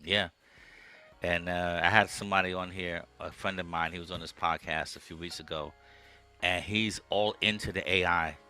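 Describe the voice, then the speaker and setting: A man hosting a podcast, chatting casually with his guest in a relaxed, conversational way from his own studio setup. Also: deep voice, normal speed, clear, resonant tone, faint music behind. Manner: relaxed, conversational, with frequent "um" and "okay". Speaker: podcast host. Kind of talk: casual interview chat. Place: home music studio.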